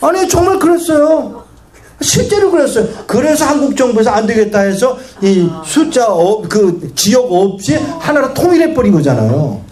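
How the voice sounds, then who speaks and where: A man's voice: extremely high pitch, moderate pace. A male guest pastor preaching a sermon to a congregation, telling stories and asking the audience questions. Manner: animated storytelling preacher who asks the audience questions. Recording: echoey hall with faint noise.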